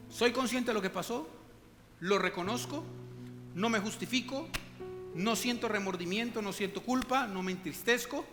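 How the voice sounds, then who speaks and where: A middle-aged male pastor, preaching a sermon in a church with emphatic rises and hushed drops. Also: sits high. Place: church hall. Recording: long church reverb with music beneath. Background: soft instrumental music.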